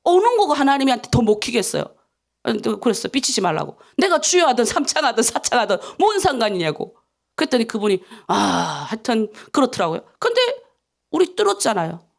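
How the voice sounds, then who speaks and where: A woman pastor giving a dawn prayer sermon, moving between hushed asides and loud, fervent prayer. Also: a little high, fairly quick, vocal fry. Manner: animated preaching, swings from hushed asides to shouted prayer.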